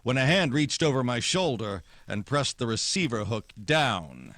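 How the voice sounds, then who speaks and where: An actor playing a tough, wisecracking private detective in a 1940s-style radio noir drama, with slangy, wry delivery. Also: male voice, mid-range voice, big pitch swings, unhurried, background noise. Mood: tense, wry. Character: hard-boiled, wisecracking male private detective narrating his case. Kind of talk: 1940s radio noir acting, first-person narration.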